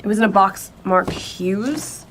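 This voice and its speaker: An actress playing a curious, fond young adult daughter, talking casually in a naturalistic audio drama. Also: female voice, mid-range voice, a little slow, fairly bright tone, slight background noise, lightly acted. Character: curious, fond adult daughter, lightly teasing, sorting keepsakes.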